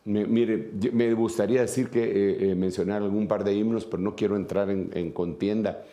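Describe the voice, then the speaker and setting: A man's voice: fairly low pitch, steady tone, normal speed, warm tone. A man from Guatemala with a Guatemalan Spanish accent, preaching an earnest sermon as an apostle, repeating phrases for emphasis.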